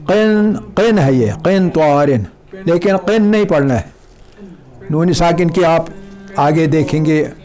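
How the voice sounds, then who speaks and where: Slow, drilling Urdu-accented male tutor. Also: on the high side, darkish tone. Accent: South Asian Urdu. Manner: repeats words slowly, stretching each sound for students. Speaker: teacher of Quran recitation. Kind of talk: slow recitation lesson with drilled repetitions.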